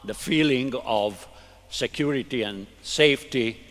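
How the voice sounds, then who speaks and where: Older Hungarian-accented male lecturer, bright tone, measured and halting delivery, hall reverb. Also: mid-range voice. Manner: halting, deliberate, with many restarts. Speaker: conference speaker. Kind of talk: academic lecture. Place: conference hall.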